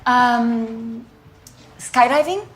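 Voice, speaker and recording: Non-native woman model, high voice. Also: drawn-out words. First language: not English. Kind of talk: casual interview answers.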